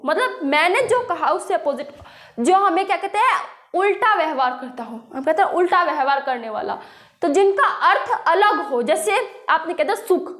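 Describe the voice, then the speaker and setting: A woman's voice: extremely high pitch, a bit bright, reverberant. A young woman teaching a casual grammar lesson, explaining with rhetorical questions and checking in often.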